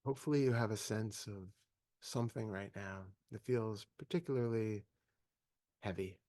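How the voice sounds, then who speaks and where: A meditation teacher, a man with a voice on the low side, leads a guided meditation calmly in measured phrases with long pauses. The recording is dry.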